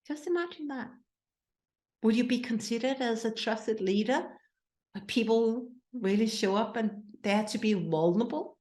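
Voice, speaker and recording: A woman's voice: a little high, moderate pace, a little mellow, echoey room. A woman from Denmark with a Danish accent, speaking as a mindset coach and host, putting many questions to her listeners. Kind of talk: motivational talk to listeners.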